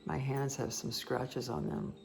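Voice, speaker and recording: Croaky woman giving a card reading. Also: very deep voice, little pitch movement, unhurried, a little mellow, low-quality recording. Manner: chatty, reassuring, addresses listener directly. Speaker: tarot card reader. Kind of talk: casual spoken card reading. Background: background music.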